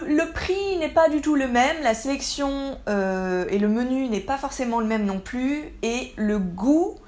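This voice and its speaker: A young woman narrating a casual travel vlog, chatty and enthusiastic as she gushes about food. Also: a little high. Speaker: travel vlogger.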